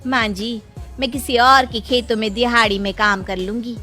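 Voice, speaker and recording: A determined village daughter-in-law in a cartoon speaks earnestly and respectfully. Her tone is bright and slightly high. Soft music plays under her. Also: fairly even intonation, moderate pace. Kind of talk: cartoon voice acting.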